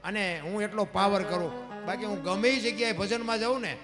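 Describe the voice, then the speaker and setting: A man's voice: high voice, brisk. A man telling a devotional folk story in an emphatic, sing-song way at a live stage event. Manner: emphatic, sing-song, addresses listeners as bapu. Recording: guitar music behind voice.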